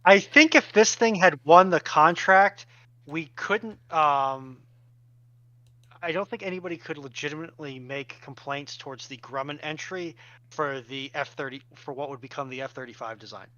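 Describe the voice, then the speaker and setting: A man's voice: a little high, normal speed, pushed and bright, no echo. A man chatting casually as a livestream panellist, heard over slightly lo-fi voice-chat audio. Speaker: livestream panellist and tech helper.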